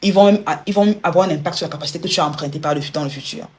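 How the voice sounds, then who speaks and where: A woman talking fast through a live stream on money advice, addressing her listener directly. Her sentences tumble out with restarts and repeated words. A faint hum of noise sits behind her. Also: deep voice, darkish tone. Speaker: personal finance coach.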